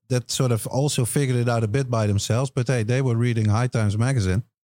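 With a Dutch accent and a dark, mellow tone, a man speaks in a very clean recording with a silent background and a dry, close sound with no echo. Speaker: podcast host and cannabis journalist. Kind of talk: casual chat. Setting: Airbnb in Amsterdam.

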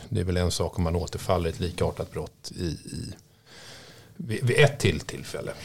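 A somewhat breathy voice at a fairly slow pace. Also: man. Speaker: defense lawyer. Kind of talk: casual chat.

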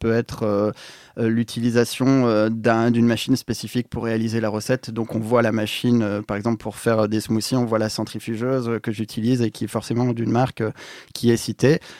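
Delivered at a moderate pace, an ordinary speaking voice comes through a dry, close sound with no echo and a very clean recording with a silent background. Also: man. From France, Brittany. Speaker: YouTube video creator. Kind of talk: casual chat.

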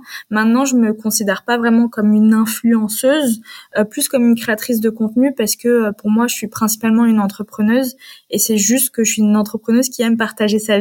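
At a fairly quick pace, a woman talks in a fairly high, somewhat breathy voice. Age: 20s. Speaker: student and start-up founder. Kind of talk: interview conversation. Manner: hesitant, many fillers.

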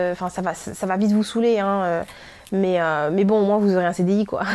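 A woman at a medium pitch speaks with fairly even intonation. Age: 20s. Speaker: podcaster, web copywriter. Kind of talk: personal audio diary. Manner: halting, many fillers.

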